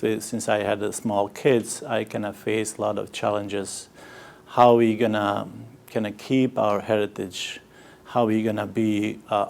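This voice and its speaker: A middle-aged man from Sarajevo with a Bosnian accent, speaking English in a halting way with many "uh" fillers as he tells his story in an interview. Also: lowish voice, gravelly, a little mellow. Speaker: interviewee, community organizer. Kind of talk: personal testimony in an interview.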